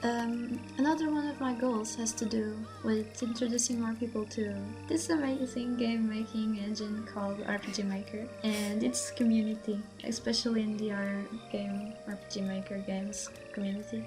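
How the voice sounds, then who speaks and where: A woman's voice: on the high side, steady tone, moderate pace, few pauses, low-quality recording. A young woman, not a native English speaker, reading a scripted introduction carefully and a little stiffly. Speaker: streamer. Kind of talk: scripted video narration. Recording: voice over background music.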